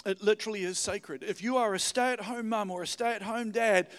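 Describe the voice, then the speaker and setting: Male preacher, middle-aged, New with influence. High-set voice, exhortatory, repetitive emphasis, long hall reverb. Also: moderate pace, a bit bright. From New Zealand. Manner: informal, exhortatory, repeats phrases for emphasis. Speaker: guest pastor. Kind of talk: sermon to a congregation. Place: church hall, speaking to congregation.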